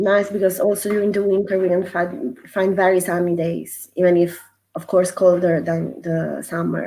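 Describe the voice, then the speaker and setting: Speaking at a fairly slow pace, a woman with a medium pitch keeps her intonation fairly even. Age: 20s. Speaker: university student. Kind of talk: casual chat. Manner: halting.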